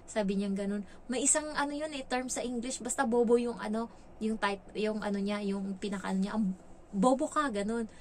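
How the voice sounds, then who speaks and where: Chatty Filipina vlogger, frank storyteller. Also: female voice, fairly high pitch, brisk, a little mellow, slight background noise. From Philippines. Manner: chatty, frank, acts out quoted lines. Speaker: vlogger, domestic worker abroad. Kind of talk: casual storytelling vlog.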